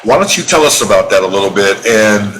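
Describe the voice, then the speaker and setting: A man's voice: fairly low pitch, expressive, a little fast, noisy background. A man co-hosting a podcast, chatting playfully and teasing his guest. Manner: playful, teasing, laughs a lot. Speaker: podcast co-host. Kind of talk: casual chat.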